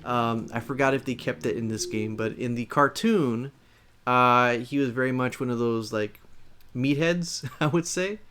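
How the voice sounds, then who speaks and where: A man hosting casual game commentary, speaking haltingly and often repeating words. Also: medium pitch, fairly even intonation, pushed and bright. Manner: halting, repeats words, chuckles through remarks. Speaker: gameplay video host.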